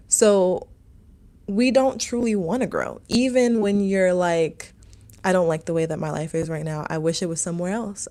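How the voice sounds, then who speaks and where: A young woman speaks in a slightly low voice, chatting loosely with her livestream viewers. She rambles and fills her speech with "like" and "um" as she works through their comments. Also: mellow. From Maryland, USA. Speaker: livestream host, meditation teacher. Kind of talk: casual livestream chat answering comments.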